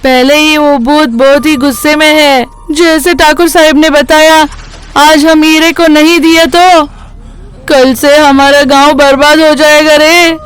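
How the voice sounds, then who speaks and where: Brief: fretful cartoon villagers , a woman doing them, high and drawn out. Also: fairly even intonation, unhurried, a little hiss or hum. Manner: lamenting, calling out. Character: worried crowd of villagers, fretful and scolding. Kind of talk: animated storybook voice acting.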